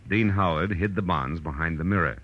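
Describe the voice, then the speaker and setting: A man's voice: deep voice, a little fast, lo-fi sound, a little hiss or hum, natural voice. An American man playing a wry, hard-boiled private detective in a 1940s radio drama, with clipped, world-weary delivery. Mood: patient explaining. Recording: vintage 1940s radio broadcast with music.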